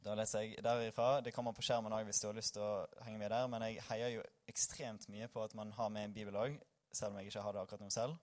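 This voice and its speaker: A man's voice: on the low side, flat delivery, hardly any pauses, a little mellow. A tired young man giving an informal sermon in a church hall, joking with the congregation and reading scripture aloud. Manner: self-deprecating, joking, chatty with the congregation. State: tired after little sleep. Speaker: preacher.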